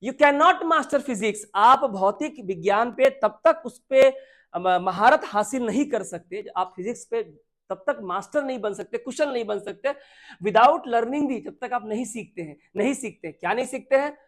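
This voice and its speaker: Exam-prep grammar is taught here by a man with an Indian accent whose high-pitched voice is expressive and a bit bright. He repeats his points, questions the students, and reads English sentences out slowly, word by word.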